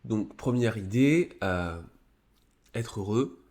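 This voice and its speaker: Guy with a cold streaming, low deep voice, lots of euh and restarts. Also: lively intonation, takes it slowly, a little mellow. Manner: hesitant, many fillers and restarts. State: has a cold. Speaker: streamer presenting a psychology review. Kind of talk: casual live-stream commentary.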